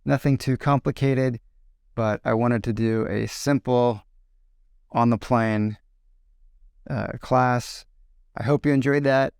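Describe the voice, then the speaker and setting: A man, an English teacher and podcast host, giving a casual spoken lesson, explaining slowly with examples. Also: medium pitch, fairly even intonation, creaky, darkish tone, clear, resonant tone, no room sound, clean studio sound. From California.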